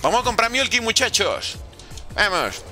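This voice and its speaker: Over music, a gaming streamer with a high voice and big pitch swings talks at a moderate pace. His casual livestream commentary is playful and slangy, full of jokes, and he reads viewers' chat messages aloud and answers them.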